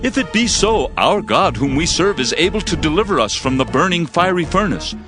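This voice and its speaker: Steadfast captive, highly expressive. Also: male voice. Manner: resolute, solemn. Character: steadfast, defiant Hebrew captive facing a king. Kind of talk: dramatized scripture acting.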